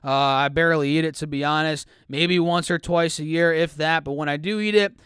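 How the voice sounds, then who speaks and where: A man's voice: on the high side, steady tone, brisk, a bit bright, clean tone, no echo, studio quality. A man giving casual stock market commentary, reading earnings numbers with chatty asides. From United States.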